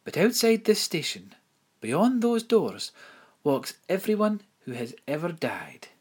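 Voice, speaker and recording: A man putting on a prim, high-voiced headmistress. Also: big pitch swings, takes it slowly, husky, full character voice. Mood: coaxing. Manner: genteel, coaxing, fussy. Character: prim genteel headmistress, woman, persuasive and sympathetic. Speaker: school headmistress.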